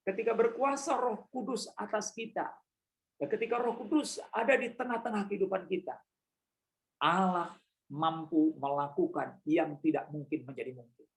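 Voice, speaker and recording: A man's voice: high-pitched, normal speed, rough recording. A male pastor preaching a sermon in church, emphatic and repetitive, addressing the congregation directly.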